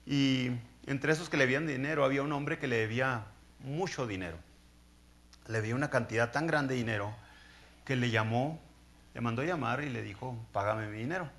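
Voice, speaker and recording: A man's voice: mid-range voice, fairly quick, a bit bright. A man preaching a sermon, telling the story in a conversational way and often checking in with his listeners.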